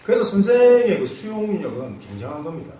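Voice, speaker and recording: A man giving a classroom lecture on fortune-telling, lively and quizzing his students, laughing now and then. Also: sits high, a little fast. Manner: animated, asks students questions, laughs. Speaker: saju lecturer. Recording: roomy echo, mic far off, faint noise.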